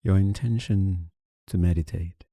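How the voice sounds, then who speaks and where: A man with a very dark, mellow voice guides a meditation in a low register. He gives soothing instructions in short phrases and leaves long, unhurried pauses between them. The sound is close and dry. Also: fairly even intonation, no room sound. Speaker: meditation teacher.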